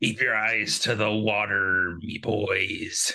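This is a put-on character voice with a raspy edge. It moves at a very slow pace. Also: man, medium pitch for a man. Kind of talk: nautical. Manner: gruff, commanding.

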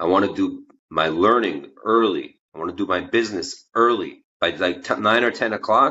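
A man with a New York accent, talking at a moderate pace. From New York (Crown Heights, Brooklyn). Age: 30s. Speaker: podcast guest, religious convert. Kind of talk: interview.

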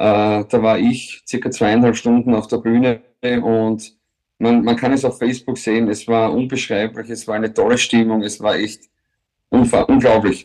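Medium pitch, monotone and flat intonation, and a moderate pace from a man. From Austria, Styria. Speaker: singer. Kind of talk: interview. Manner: hesitant, many fillers.

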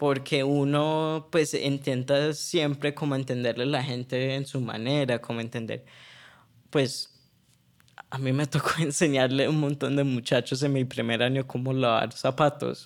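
A man's fairly high voice, fairly even in intonation, at a fairly slow pace. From New York, US. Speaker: university student. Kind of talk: casual interview.

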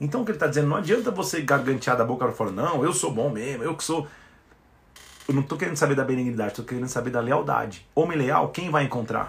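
An animated man speaks at a fairly quick pace. His voice sits fairly high in pitch, with lively intonation. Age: 40s. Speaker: pastor. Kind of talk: livestream Bible study. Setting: livestream.

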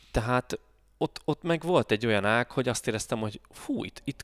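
Speaking at a fairly quick pace, a man uses lively intonation and vocal fry, recorded with a dry, close sound and no echo. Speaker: portrait photographer. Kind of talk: casual interview. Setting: photo studio.

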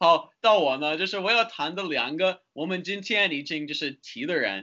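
Lively in intonation, a man with a high pitch talks at a fairly slow pace. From US, Buffalo, New York. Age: 30s. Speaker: podcast co-host, football fan. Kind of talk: casual chat.

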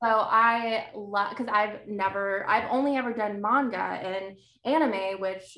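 Speaking with an American accent, a woman has a bright, sharp tone. Her pace is fairly slow and her intonation fairly even. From New Jersey. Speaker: guest. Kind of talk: casual chat.

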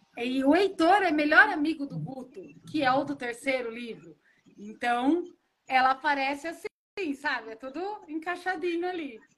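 At a moderate pace, a woman with a high pitch uses lively intonation and big swings in loudness. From Brazil, São Paulo state interior. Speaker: novelist. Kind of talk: casual interview.

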